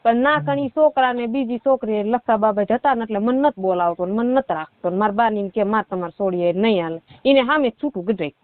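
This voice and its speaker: A woman's voice: fairly high pitch, brisk, hardly any pauses, dry recording. A woman with a rural Saurashtra Gujarati accent giving a rambling, colloquial personal account over a muffled phone call. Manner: colloquial, rambling storytelling with reported dialogue. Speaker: caller seeking help with a marital dispute. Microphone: telephone.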